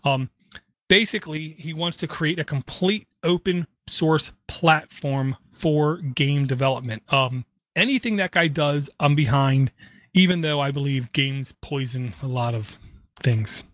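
A man from Ireland co-hosting a casual tech podcast, talking in animated, opinionated bursts with frequent fillers. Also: fairly high pitch, a little slow, no echo. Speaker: podcast co-host.

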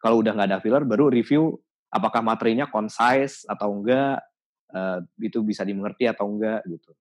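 Low-pitched guy on a podcast, talks things through, lots of ums and restarts. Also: fairly quick. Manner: thoughtful, many fillers and restarts while explaining. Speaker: podcast guest. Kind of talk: casual podcast chat.

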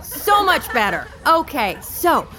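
A woman's voice: high-pitched, very animated, slow pace, over a noisy crowd, heavily acted. An actress playing a peppy, teasing female tour guide talking to schoolchildren in an audio drama, chirpy and over-enthusiastic. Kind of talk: naturalistic audio drama acting.

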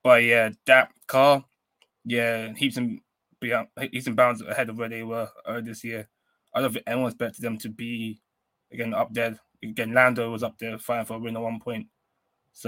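A man on a podcast panel talks through his view in a calm, measured way. His voice stays flat and even, and the recording is dry and close. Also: mid-range voice, no room sound. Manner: measured, analytical. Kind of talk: casual chat.

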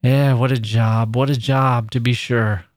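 A man's voice: mid-range voice, fairly even intonation, unhurried, no echo, studio quality, lightly acted. A man voicing a short, white-bearded old pit manager who fusses in blunt village dialect. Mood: fretful.

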